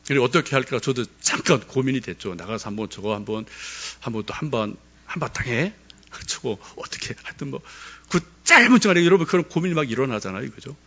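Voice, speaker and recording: A middle-aged man preaches a sermon, his pitch rising and falling in a lively way as he tells stories and asks the congregation questions. The recording sounds dull and lo-fi. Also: fast talker. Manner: storytelling, addresses congregation directly with questions. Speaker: pastor.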